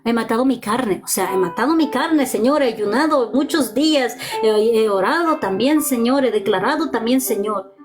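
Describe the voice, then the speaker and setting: A woman's voice: a little high, animated, moderate pace, over music. A woman preaching a personal testimony in an impassioned, repetitive style, speaking straight to her listeners. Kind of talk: testimony sermon.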